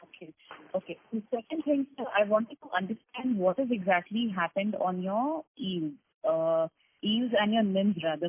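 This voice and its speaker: A woman's voice: medium pitch, no room sound. A woman analyst on an earnings call, asking detailed, probing questions about figures. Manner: probing, detailed, numbers-focused. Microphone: phone. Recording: husky voice over phone line.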